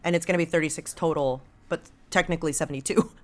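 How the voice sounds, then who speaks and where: A woman's voice: low-pitched, fairly even intonation, fast. A woman guest talking casually and emphatically on a podcast, stating her opinions firmly.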